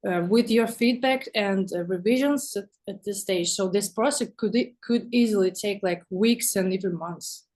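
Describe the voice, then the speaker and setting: A woman guest in a relaxed interview, speaking English as a second language. Her delivery is conversational and a little halting, with expressive phrasing and a medium pitch. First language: not English. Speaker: guest visual artist.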